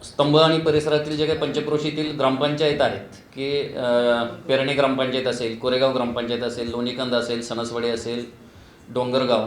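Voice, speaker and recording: A man, the president of a local committee, giving a halting news interview statement with frequent fillers and long lists. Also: medium pitch. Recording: echoey room with faint ambient noise.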